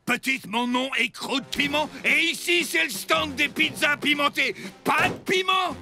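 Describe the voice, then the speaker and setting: Gruff-mannered, high-pitched pizza stand boss. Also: male voice, a little slow, bright, forceful tone, full character voice. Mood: stern. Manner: brusque, emphatic, barking refusals. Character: stern, stubborn male pizza stand owner. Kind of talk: animated children's cartoon dub. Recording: music behind the voice.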